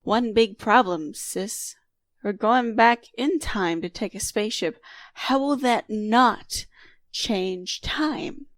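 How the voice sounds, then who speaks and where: A woman's voice: mid-range voice, slow pace, dry recording, studio quality, natural voice. A woman playing a skeptical younger sister with a sardonic, challenging manner in an audio drama. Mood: skeptical, sarcastic.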